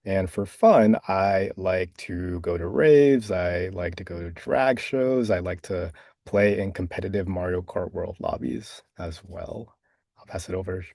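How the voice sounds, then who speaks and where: A man's voice: deep voice, a little slow, gravelly, dark tone, dry recording, clean studio sound. A man introducing himself on a video call panel in an easygoing, playful way. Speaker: panelist, product designer. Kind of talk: casual self-introduction.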